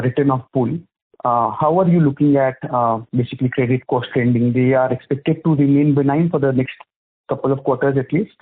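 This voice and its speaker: Male financial analyst, Indian accent. Husky voice, halting roundabout questions, low-fi phone conference sound. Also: phone-quality sound. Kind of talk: earnings call questioning. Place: telephone conference call.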